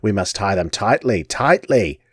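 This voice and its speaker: A man's voice: lowish voice, animated, a little slow, husky, no echo, clean studio sound. A man voicing a stooped old gypsy crone who cackles and croons menacingly. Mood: crooning.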